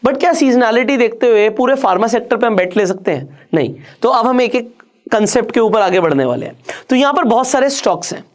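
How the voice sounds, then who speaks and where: A man leads an online trading tutorial as a market educator. He talks conversationally and directly to the viewer. He moves step by step, asking and answering his own questions. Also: very high voice. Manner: explains step by step with rhetorical questions.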